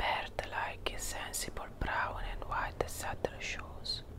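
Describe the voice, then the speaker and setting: A soft-spoken whisper at a very slow pace, under loud background noise. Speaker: storybook reader. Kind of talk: reading a children's story aloud. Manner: soft whispered bedtime-story reading.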